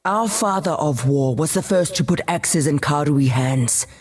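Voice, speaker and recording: A woman's voice: low voice, expressive, unhurried, darkish tone, slightly rough, heavily acted. A woman playing a devout keeper of tribal traditions, speaking earnestly and solemnly in a fantasy game monologue. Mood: proud, instructive.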